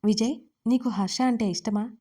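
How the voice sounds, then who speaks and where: A woman voicing a fierce yet loving young wife who scolds sharply and presses hard, in a mellow voice. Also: a little high, steady tone, normal speed, natural voice. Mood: probing. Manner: sharp scolding, then pleading.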